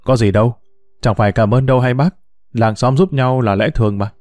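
A man voicing a calm, modest young healer who speaks reassuringly, in a storybook reading. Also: mid-range voice, fairly quick, dry recording, clean studio sound, soft background music, lightly acted.

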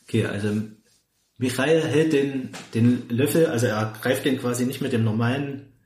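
Casting: male game master, mid-pitched, casual improvised narration, roomy echo. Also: normal speed, darkish tone.

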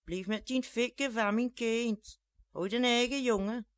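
Fierce Flemish mother, done by a reader: shrill, scolding, high and dry. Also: slow pace, fairly bright tone, no room sound. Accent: Flemish dialect. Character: angry woman, a fierce protective mother. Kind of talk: dialect storytelling.

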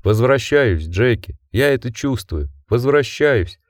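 A man voicing a dying gentle werewolf. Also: medium pitch, expressive, no echo, clean studio sound, lightly acted. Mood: tender, fading. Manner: slow, each word stressed. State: weak, dying. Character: dying gentle male werewolf, loyal, simple-hearted.

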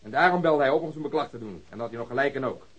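Sardonic, irate police detective with a husky edge, played by a man. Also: medium pitch, very fast, lo-fi sound, natural voice. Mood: furious. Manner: sardonic interrogation, swearing. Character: sarcastic, irate male police detective, middle-aged superior. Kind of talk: radio drama dialogue.

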